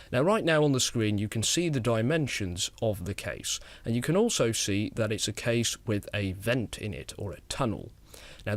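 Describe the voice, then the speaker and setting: A man's voice: on the low side, no room sound. A young man narrating a step-by-step DIY how-to, speaking into a close studio microphone. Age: late teens to young adult. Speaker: DIY maker and presenter. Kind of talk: explanatory how-to voice-over narration. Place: small wood-panelled attic room. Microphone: close studio mic on a boom arm.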